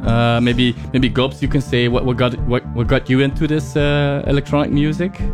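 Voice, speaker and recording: A man's voice: medium pitch, flat delivery, moderate pace. A man with a Flemish accent hosting a casual radio show, chatting loosely with lots of fillers. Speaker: radio host. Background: music playing.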